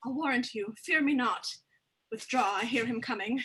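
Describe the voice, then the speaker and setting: A bright, fairly high voice gives us an indignant, frightened queen played by a woman. She speaks theatrical Shakespearean verse as a royal mother under attack from her son. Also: moderate pace, natural voice, poor audio. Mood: stern, indignant. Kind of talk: dramatic reading of Shakespearean verse. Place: remote livestream from home.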